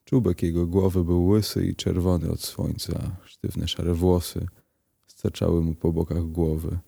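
A man narrating a crime story aloud in a calm, even reading voice. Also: low-pitched, creaky, slightly rough. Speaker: audiobook narrator.

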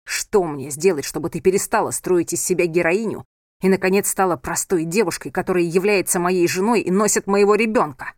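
A woman's voice: fairly low pitch, moderate pace, no echo, studio quality, lightly acted. Woman voicing a stern, scolding young husband. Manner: harsh, scolding, hard-edged. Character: stern angry young husband, controlling and forceful.

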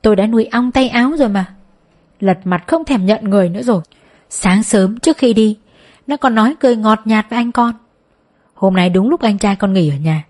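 A woman reading a story aloud in an even, measured narration. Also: mid-range voice. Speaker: audiobook narrator.

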